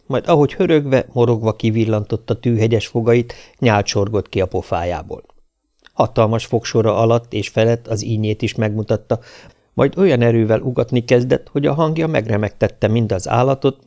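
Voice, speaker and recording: A man narrating a short story as an audiobook reader, telling it in a lively way. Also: medium pitch.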